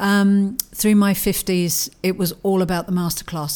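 A woman with an unremarkable speaking voice, fairly low in pitch, at a moderate pace, on a very clean recording with a silent background. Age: 60s. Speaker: novelist and podcast host. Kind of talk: casual monologue.

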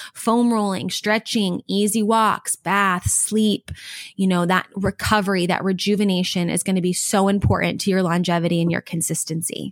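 A woman with an ordinary speaking voice, medium in pitch, talks at a moderate pace with fairly even intonation and very even loudness. The recording is very clean, with a silent background. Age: 30s. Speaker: fitness coach and podcast host. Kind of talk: solo podcast monologue. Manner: casual, filler-heavy.

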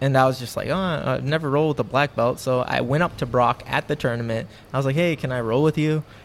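A man's medium-pitched voice at a very fast pace, hardly any pauses, fairly even intonation. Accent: American. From Minnesota, US. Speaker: MMA fighter. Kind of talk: casual chat.

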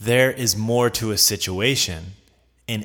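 A man's bright, sharp tone with a Southern US accent, on a very clean recording with a silent background. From US South. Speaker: podcast host. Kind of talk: casual monologue, faith reflection.

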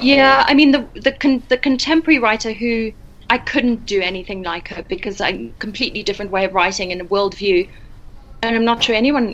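The speech is fairly quick and has lively intonation, heard against noticeable background noise. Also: woman. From South Africa. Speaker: novelist and creative writing teacher. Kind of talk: interview.

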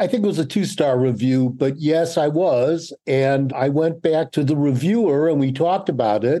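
Against a quiet background, a man with a dark, mellow tone and fairly high pitch speaks at a moderate pace, his loudness very even and his pitch variation ordinary. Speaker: jazz critic and former magazine editor. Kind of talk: interview.

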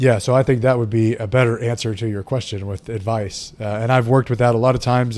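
A man talks at medium pitch with fairly even intonation in a plain, everyday voice. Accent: American. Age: 30s. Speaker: strength coach and gym owner. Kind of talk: podcast interview.

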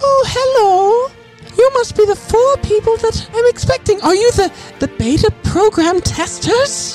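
A put-on character voice at an extremely high pitch moves at a fairly slow pace. Clear music plays in the background. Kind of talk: polite, welcoming.

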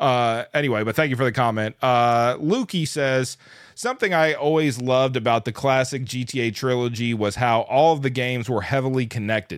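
Over a very clean recording with a silent background, a man with a plain, everyday voice speaks at a fairly quick pace in a medium pitch with ordinary pitch variation. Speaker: podcast host. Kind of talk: podcast monologue with listener emails. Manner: casual, filler-heavy.

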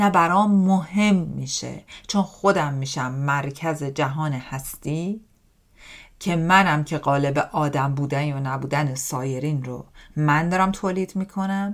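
A woman's very deep, low voice at a fairly slow pace with ordinary pitch variation, on a very clean recording with a silent background. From Iran. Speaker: life coach, podcast host. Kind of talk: solo talk monologue. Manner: casual conversational.

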